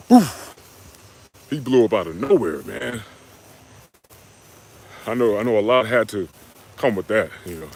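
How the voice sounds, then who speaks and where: A young man from the United States, a fitness coach answering viewers' questions on a live stream in a relaxed, slangy way. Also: medium pitch. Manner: laid-back, slangy, talks straight to viewers with "y'all" and "man". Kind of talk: live stream Q&A, reading chat comments.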